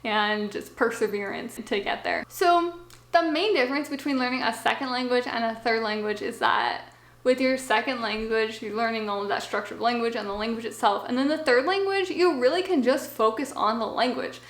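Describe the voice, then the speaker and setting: Young woman vlogger, casual and chatty, slightly high voice, echoey small room. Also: normal speed. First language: English. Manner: chatty, with frequent fillers and asides. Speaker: language-learning vlogger. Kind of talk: casual explanatory talk to camera. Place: small home office.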